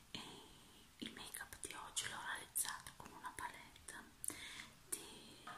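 A woman whispers at a very slow pace, leaving long, frequent pauses. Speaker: ASMR creator. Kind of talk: ASMR whispered haul talk. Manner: whispered. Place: home room. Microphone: phone near.

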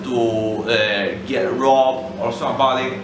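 A man is heard through audible room echo and loud background noise. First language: Spanish. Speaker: YouTuber living abroad. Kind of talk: casual interview. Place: cafe. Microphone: camera far.

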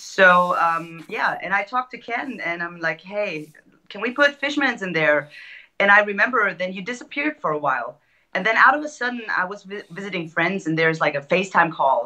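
A woman at a fairly quick pace, with very wide pitch swings, against a quiet background. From Germany. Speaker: rock musician. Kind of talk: casual interview. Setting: video call. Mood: relaxed, thoughtful. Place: home room. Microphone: video call.

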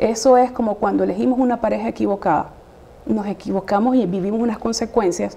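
A woman with a Venezuelan accent speaks at a fairly high pitch. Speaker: guest. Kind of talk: casual talk. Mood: earnest, emotional. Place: studio. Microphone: lapel.

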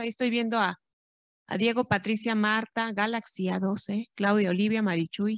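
A woman with a normal speaking voice talks at a moderate pace with ordinary pitch variation, the sound dry with no echo and the background quiet. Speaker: event moderator. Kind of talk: Q&A moderation. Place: home room. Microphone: video call.

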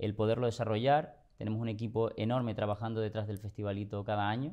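A man talks at a very fast pace with a medium pitch and a dark, mellow tone. The background is quiet. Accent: Canarian. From Canary Islands, La Palma; Canary Islands. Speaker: mayor. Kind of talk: interview. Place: studio. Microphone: lapel.

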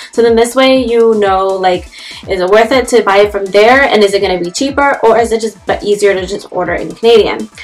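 A woman at a fairly quick pace with ordinary pitch variation, faint music in the background. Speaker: beauty vlogger. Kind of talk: casual vlog chat.

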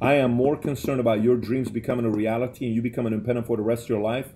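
A man's dark, mellow tone comes through at a fairly quick pace. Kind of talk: motivational address to team on a call. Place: office.

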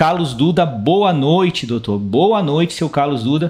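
A man's fairly high-pitched voice with lively intonation at a moderate pace, against a quiet background. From Brazil. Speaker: urologist. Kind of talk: live Q&A stream. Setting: livestream. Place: office. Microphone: studio mic.

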